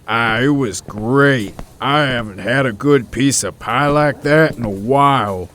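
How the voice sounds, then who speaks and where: A man's voice: mid-range voice, unhurried, a bit bright, a little hiss or hum, lightly acted. A man playing a friendly, reassuring colleague in an audio drama. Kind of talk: amateur audio drama acting.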